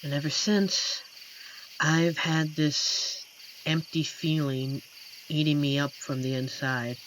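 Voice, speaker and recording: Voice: mid-range voice, fairly even intonation, fairly bright tone, a little hiss or hum, low-quality recording. A performer voicing an amiable, lonely werewolf who protects a forest, speaking tenderly and earnestly in a scripted roleplay addressed to the listener. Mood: wistful. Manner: tender, earnest, playfully corny, hesitant pauses. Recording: clear insect and night ambience behind. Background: crickets and forest night ambience.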